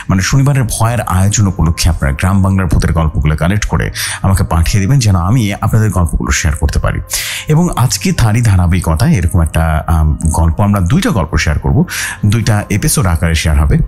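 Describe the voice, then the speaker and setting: A man's voice: deep voice, a little mellow. A man hosting and narrating a horror storytelling show in a dramatic radio style, mixing in English words. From Bangladesh. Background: music.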